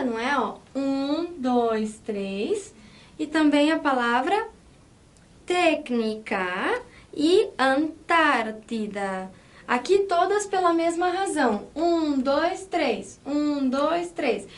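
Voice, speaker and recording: Brazilian woman, teacher, high-pitched voice, clear step-by-step explanations, counts syllables out loud. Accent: Brazilian Portuguese. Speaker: Spanish teacher. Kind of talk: online language lesson.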